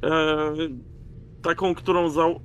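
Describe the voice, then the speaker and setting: A man's voice: a little high, little pitch movement, takes it slowly, fairly bright tone, clear, resonant tone. A young man chatting casually as a player in a tabletop role-playing game. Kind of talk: casual chat.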